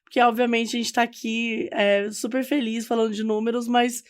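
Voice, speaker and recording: A woman with a somewhat high voice and a Brazilian Portuguese accent. She co-hosts a podcast as an informal chat, full of slang and exclamations. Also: little pitch movement, normal speed. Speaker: podcast co-host. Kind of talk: casual chatty conversation.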